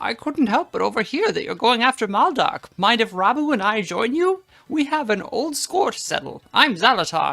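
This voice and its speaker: The voice is cartoonish and put on, with a fairly high pitch. It runs at a moderate pace with hardly any pauses. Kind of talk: anime dub style. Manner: friendly, earnest.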